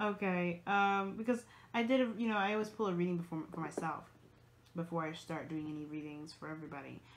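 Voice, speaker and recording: A woman rattles along at a very fast pace, her fairly low voice showing ordinary pitch variation. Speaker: tarot reader. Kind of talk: tarot reading monologue. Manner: halting, stuttering; many fillers.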